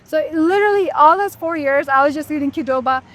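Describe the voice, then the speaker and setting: A young woman from Nepal, a software engineer guest, talking in an easygoing way with lots of "like" and "you know". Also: high-pitched, a little fast. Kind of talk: casual interview chat.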